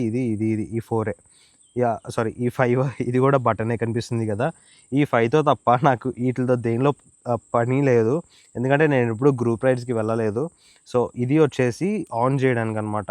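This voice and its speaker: A man's voice: medium pitch, a little mellow, no echo. A man with a Telugu Indian accent giving a casual, explanatory product tutorial, mixing English words into his informal speech. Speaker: motovlogger reviewing and demonstrating gear.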